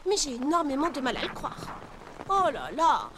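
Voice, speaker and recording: A woman's voice: sits high, wildly swooping pitch, moderate pace, very noisy. A woman voicing a bookish, fretful young girl detective in a French cartoon dub, articulate and matter-of-fact. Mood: worried, fretful. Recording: music behind the voice.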